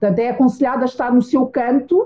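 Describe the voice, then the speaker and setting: A woman speaks fairly slowly with a high pitch. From Portugal. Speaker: journalist and author. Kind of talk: interview conversation. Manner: halting, many fillers.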